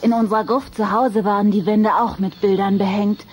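A woman's voice: mid-range voice, steady tone, moderate pace, slight background noise, lightly acted. An actress playing a self-assured, coquettish, aristocratic young vampire girl in a radio play.

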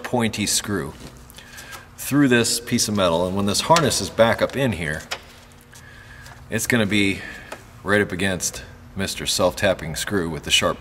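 A man casually demonstrating a car repair step by step while he works, talking as he handles parts. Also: fairly low pitch. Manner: relaxed, talks while working with hands. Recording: long reverb with faint background noise.

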